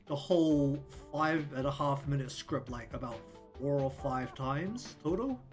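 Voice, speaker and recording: A man with a New Zealand accent chatting casually on his livestream, rambling with lots of ums and likes. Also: fairly high pitch. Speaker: streamer and artist. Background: faint lofi music.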